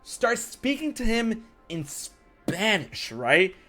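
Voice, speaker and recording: A young American man hosting a podcast, telling a story in casual chat and acting out quotes with sudden loud jumps. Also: high-pitched, sing-song, slow pace, faint music behind. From United States. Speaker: podcast host.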